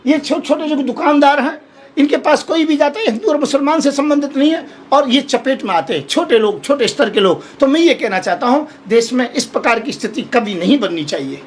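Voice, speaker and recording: A man's voice: very high voice, expressive, a little fast, a little hiss or hum. A man, a Hindu holy man appearing as a guest in a heated television debate, who speaks in an impassioned, pleading way and keeps repeating himself.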